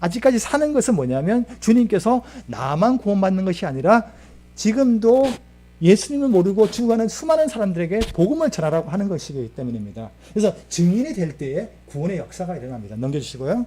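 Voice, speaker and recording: This man talks at a fairly quick pace in a high voice for a man, with a dark, mellow tone and very wide pitch swings. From South Korea, Busan. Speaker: missionary preacher. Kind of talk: sermon. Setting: church.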